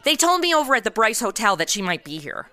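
Sassy, bright, animated young woman. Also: a little high, fast talker, no room sound. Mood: indignant, flustered. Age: 20s. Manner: flippant, expressive. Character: sassy, slangy modern twenty-something woman turned detective. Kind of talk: comedy audio drama dialogue and narration.

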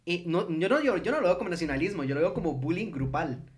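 A young man with a Costa Rican accent, hosting a casual streamed chat, animated and quick to laugh. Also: high-pitched. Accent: Costa Rican Spanish. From Costa Rica. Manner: animated, laughing, acts out quoted voices. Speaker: streamer host.

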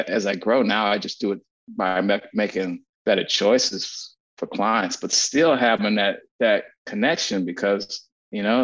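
A man being interviewed as an agency strategist, telling stories in a blunt, animated way with lots of swearing and repeated words. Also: on the low side, lo-fi sound. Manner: animated storytelling, frequent profanity and repetitions. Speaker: guest, agency founder and strategist. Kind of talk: casual podcast interview.

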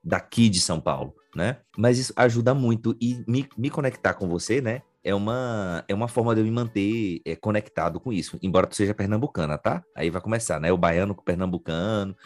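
A man's voice: lowish voice, a little fast, hardly any pauses, a little mellow, faint music behind. A man from Bahia with a Bahian accent, hosting a podcast interview in a chatty style full of fillers and restarts. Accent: Bahian Portuguese. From Bahia, Northeast Brazil. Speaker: podcast host. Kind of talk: casual interview chat.

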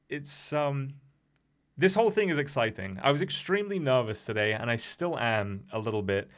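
A man of twenty-five with a somewhat Americanized English accent, hosting a casual solo podcast in a meandering, slightly nervous way with many restarts. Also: mid-range voice. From England. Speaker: podcast host and streamer.

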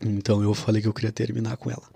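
A man's voice: lowish voice, level tone, very fast, vocal fry, mellow, breathy edge, no room sound. A young man tells a personal story in a casual, confessional way. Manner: casual, confessional, with frequent "cara" and "né".

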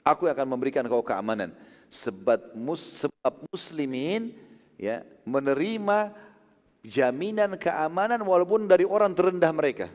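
A man voicing a grave, honest male warrior in a retold story, speaking lower and more quietly than his narration. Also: expressive, moderate pace, natural voice. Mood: reassuring. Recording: long hall reverb.

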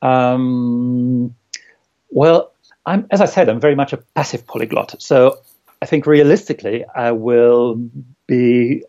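A man's voice: medium pitch, measured pace, warm tone. Thoughtful man, muffled recording. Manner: hesitant, thoughtful, searching for words. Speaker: interviewee, language learner. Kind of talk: conversational interview.

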